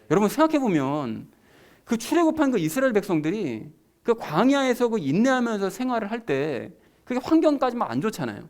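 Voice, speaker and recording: Man, pastor, sermon, conversational, emphatic, fast talker, lively pitch. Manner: conversational, emphatic, addresses congregation directly.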